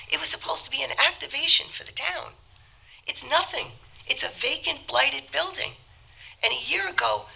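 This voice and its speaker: Hoarse woman board member with a cold, gravelly, bright and tense, lively pitch, pressing her point hard. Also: low-quality recording. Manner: forceful, indignant, interrupting. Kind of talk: public meeting debate. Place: town hall meeting room.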